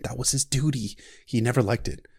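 A man's voice: medium pitch, fairly quick, darkish tone, husky, lightly acted. A man voicing a frightened but polite young noble girl who speaks in a strained, pleading way. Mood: hurt.

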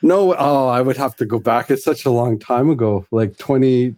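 Middle-aged guy from fiji on a podcast, mellow voice, lots of likes and ums. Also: medium pitch, moderate pace. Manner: rambling, many fillers and restarts. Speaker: podcast guest. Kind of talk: casual conversational interview.

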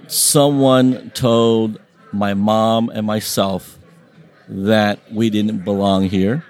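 A man's voice: fairly low pitch, a little mellow. A man whose first language is Vietnamese, speaking as an interview guest in a reflective, conversational and somewhat hesitant way.

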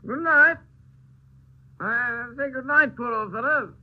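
A man's voice: sits high, huge pitch swings, normal speed, slightly rough, exaggerated voice. An actor playing a drunk, rambling Englishman, slurring and singsong. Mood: tipsy. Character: drunk upper-class Englishman, rambling and silly. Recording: tinny old film soundtrack.

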